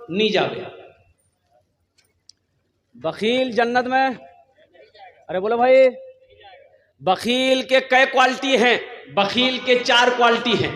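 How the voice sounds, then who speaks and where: A very high, ringing male voice delivers a sermon in with a lilt, taking his time over every phrase. He repeats lines and calls for answers from the crowd. The sound carries a long hall reverb. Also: fairly bright tone. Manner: calls out to the crowd, drawn-out repetitions. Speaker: preacher. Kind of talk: sermon at a mosque gathering. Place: mosque gathering hall.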